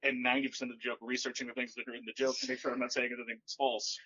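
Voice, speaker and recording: Casting: deadpan comedian man, monotone until he ranges up, bright edge, dull lo-fi sound. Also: mid-range voice, racing, slightly rough. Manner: deadpan, monotone, kicks up when ranting. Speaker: stand-up comedian guest. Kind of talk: casual podcast chat.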